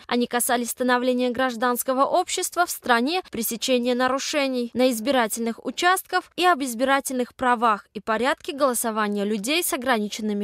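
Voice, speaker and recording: A woman reporter reading a scripted news report in a formal, even voice. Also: high voice, no room sound. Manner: formal, even read-out delivery.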